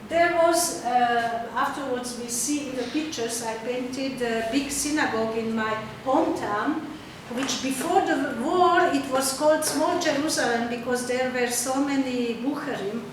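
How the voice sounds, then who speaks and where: An older woman whose first language is Hungarian, presenting her artwork at an exhibition opening in halting speech full of fillers. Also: a little high. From Czechoslovakia. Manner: halting, searching for words, many fillers. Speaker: artist presenting her work. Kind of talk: slideshow talk at an exhibition opening. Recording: echoey hall from far off, noisy.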